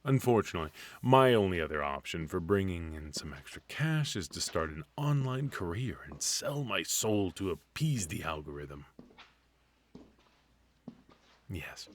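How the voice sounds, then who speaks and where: A man's voice: low voice, sing-song, moderate pace, hardly any pauses. A man playing a smug, doting retired supervillain husband in a comedic ASMR roleplay, theatrical and drawling with a mock-sinister edge. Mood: wry, self-justifying.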